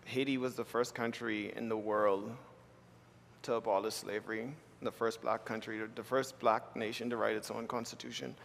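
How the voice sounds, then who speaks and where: A man's voice: fairly low pitch, level tone, creaky, fairly bright tone, a little hiss or hum. Bahamian-raised artist guy talking onstage, lots of restarts, long hall reverb. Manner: thoughtful, halting with repeated restarts. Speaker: keynote speaker, artist. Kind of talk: live panel conversation. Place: lecture hall with audience.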